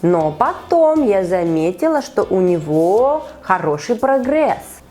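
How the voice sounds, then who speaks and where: Slow, lively-voiced Russian teacher woman. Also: medium pitch, soft background music. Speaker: Russian teacher and podcast host. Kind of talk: conversational interview with a learner. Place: online call.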